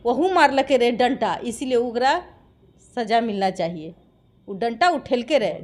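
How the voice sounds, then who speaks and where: A woman's voice: fairly high pitch, darkish tone. A woman with a Bihari accent giving impassioned interview testimony, insistent and full of rhetorical questions. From Bihar, India. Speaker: interviewee giving her account of a dispute.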